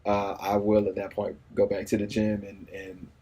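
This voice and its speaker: A man's voice: on the low side, completely flat delivery, normal speed, warm tone. A man in his forties talking casually in an interview, easygoing and rambling, often saying "you know what I mean.". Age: 40s. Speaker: radio personality and new father.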